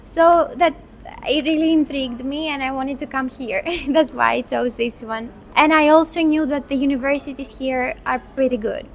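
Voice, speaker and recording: A Greek medical student in her twenties, answering interview questions in a thoughtful, unhurried way with some restarts. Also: high voice, steady tone, slight background noise. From Greece. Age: 20s.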